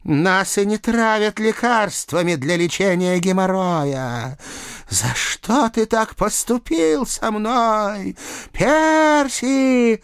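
A man voicing a huge black female ghost cat in an audiobook, speaking in a slow, soft purr. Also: high voice, lively intonation, clean tone, no echo, clean studio sound, pitched above the performer's own voice, full character voice. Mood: reproachful. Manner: slow purring reproach.

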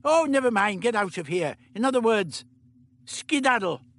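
A man reading an audiobook puts on a fussy, absent-minded old doctor with a raised, lively voice. He stammers, fusses and hurries people along in an old-fashioned way. His voice swings all over in pitch. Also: normal speed.

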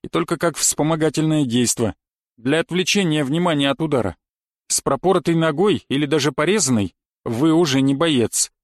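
A man's voice: a little high, moderate pace, dry recording, clean studio sound, natural voice. A man voicing a pedantic male knife-fighting coach who lectures dryly and thoroughly in an audiobook. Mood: lecturing. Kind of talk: audiobook character reading.

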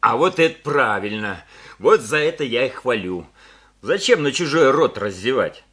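An actor playing a blunt, plain-spoken husband in a radio play. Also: male voice, mid-range voice, animated, moderate pace, a bit bright, close to an everyday voice. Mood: gruff. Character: blunt, gruff village husband.

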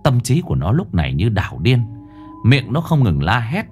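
A man reading a ghost story aloud in a dramatic, expressive way. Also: mid-range voice, moderate pace, soft background music. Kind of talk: scripted horror story narration.

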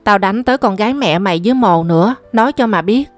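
A woman voicing a quick-tempered stepmother who scolds and curses. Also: medium pitch, expressive, no room sound, soft background music, natural voice. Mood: scolding. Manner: scolding, cursing.

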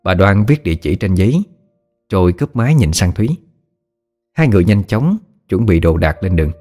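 Deep-voiced man narrating a horror story. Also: normal speed, soft background music. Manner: dramatic, expressive.

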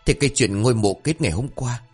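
A man's voice: medium pitch, quick pace, slightly rough, faint music behind, lightly acted. A man doing a nervous young cousin. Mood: anxious. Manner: urgent, nervous. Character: frightened young male cousin, anxious.

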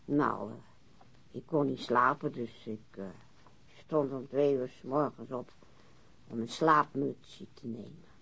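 Casting: boozy, refined widow, slow and prickly, with a gravelly, raspy female voice, for a muffled radio play. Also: rumbling low, a bit bright, heavily acted. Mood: rambling. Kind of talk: radio drama acting.

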